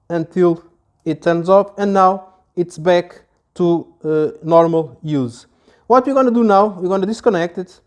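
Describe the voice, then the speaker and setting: A man, explaining a product in a casual, halting demonstration style. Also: high voice, a little mellow. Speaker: product reviewer. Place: small office, indoors.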